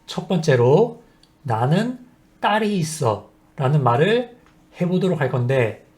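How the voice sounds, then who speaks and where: A man teaching a basic English lesson, explaining sentence patterns slowly and modeling each example sentence. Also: on the high side. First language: Korean. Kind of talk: scripted language lesson.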